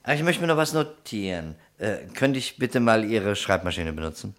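Police detective, male actor, very low voice, businesslike and probing, guarded, radio crime drama. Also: animated, normal speed, close to an everyday voice. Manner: businesslike, questioning. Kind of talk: German crime radio play acting.

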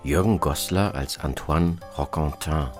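A man's voice: a bass voice, a little slow. A man presenting a scripted radio feature with dry, ironic narration. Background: music.

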